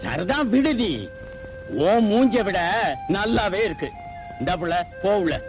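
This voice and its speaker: Weary placating village husband in a film, lively and high-pitched. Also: male voice, unhurried, exaggerated voice, low-quality recording. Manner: placating, exasperated. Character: weary village husband calming his wife. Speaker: husband and father. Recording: film soundtrack with music underneath.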